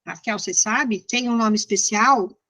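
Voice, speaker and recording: A woman's voice: mid-range voice, a little slow, pushed and bright. A Brazilian woman with a São Paulo accent giving an informal, interactive lecture in a didactic, conversational way that checks in with listeners. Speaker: university lecturer.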